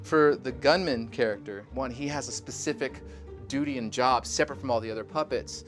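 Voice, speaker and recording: A man's voice: mid-range voice, fairly quick. A man, a puppet fabricator, explaining his work in a matter-of-fact way. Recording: background music under voice.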